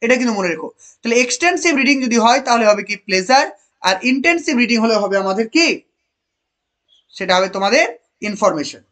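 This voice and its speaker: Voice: mid-range voice, animated, fairly bright tone. A teacher running an online exam-prep lesson, asking the class questions, repeating key answers and praising students by name. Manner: reads English options slowly.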